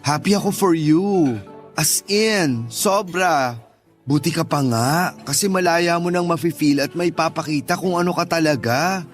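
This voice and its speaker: A man's voice: a little high, unhurried, natural voice. An actor playing a teasing, loyal young gay man in a Tagalog radio drama, with campy banter. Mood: sincere, wistful. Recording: music bed behind the voice.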